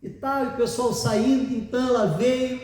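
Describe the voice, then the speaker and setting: A male pastor with a Brazilian Portuguese accent tells a story from the pulpit, chatty and qualifying his memory as he goes. His voice is high yet mellow. He is picked up from a distance, with the long echo of a large church hall around him. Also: steady tone, moderate pace. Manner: conversational, hedging and self-correcting as he recalls details. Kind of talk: storytelling sermon. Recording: echoey church hall from far off.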